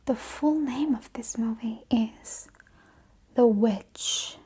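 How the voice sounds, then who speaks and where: Casting: female ASMR host, mellow breathy whisper, slightly high, hushed casual chat. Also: slow.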